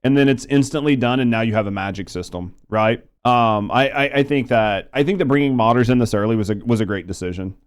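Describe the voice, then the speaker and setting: A man with a clear, smooth voice at an average pitch. He gives casual reaction commentary as a video host, thinking aloud in a conversational way and often restarting his phrases. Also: brisk, few pauses.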